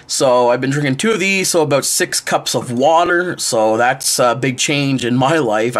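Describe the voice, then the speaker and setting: A man's voice: mid-range voice, a bit bright. A young man, chatting casually to a close handheld camera at home, rambling with many fillers. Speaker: vlogger. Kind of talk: casual vlog chat to camera. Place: small home kitchen and living room indoors. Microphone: wide-angle camera held close.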